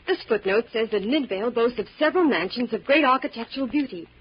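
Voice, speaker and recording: An actress playing an eager, romantic young assistant to a scientist in 1940s radio drama style. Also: female voice, a little high, lively intonation, quick pace, breathy edge. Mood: bright interest. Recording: muffled, hissy old radio recording.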